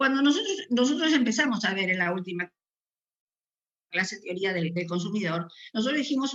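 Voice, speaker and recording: Her pitch is fairly high. This woman's voice moves through very wide pitch swings. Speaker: university lecturer. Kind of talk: lecture.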